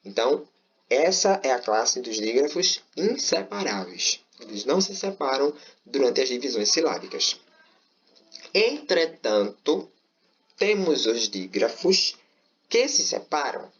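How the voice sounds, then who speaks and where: A man gives a patient online grammar lesson at a mid-range pitch. He spells out each example slowly and keeps checking that his viewers follow along. The recording sounds a little dull and lo-fi. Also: sing-song. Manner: patient, explains step by step, often checks with "certo?". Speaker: Portuguese teacher. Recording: slightly dull, lo-fi audio.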